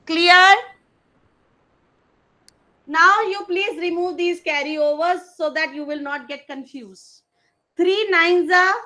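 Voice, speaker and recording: Female maths teacher, South Asian accent, high-pitched forceful voice, instructive and question-led. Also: a little slow. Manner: instructive, prompting with short step-by-step questions. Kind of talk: interactive online class teaching.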